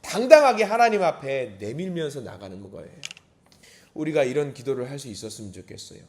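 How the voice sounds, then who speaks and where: A man's voice: medium pitch, big pitch swings, brisk, darkish tone. A man preaching a dawn sermon in a church, earnest, asking rhetorical questions and acting out prayers. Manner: acts out quoted prayers and a child's voice. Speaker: pastor. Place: church sanctuary.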